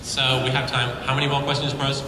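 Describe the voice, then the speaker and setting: A man's voice: mid-range voice, completely flat delivery, quick pace. A man talking casually and a bit hesitantly as a panelist at a convention Q&A, somewhat self-deprecating. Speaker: convention panelist, web series creator. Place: large convention panel hall. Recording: echoey hall from far off, loud crowd noise.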